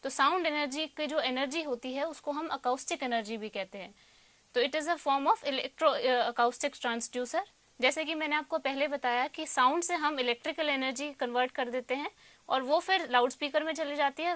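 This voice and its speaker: A woman's voice: high-pitched, moderate pace, a bit bright, no room sound. A woman with an Indian accent giving an explanatory lesson as a tutor, posing questions and then answering them. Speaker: electronics tutor. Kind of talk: explanatory lecture mixing Hindi and English.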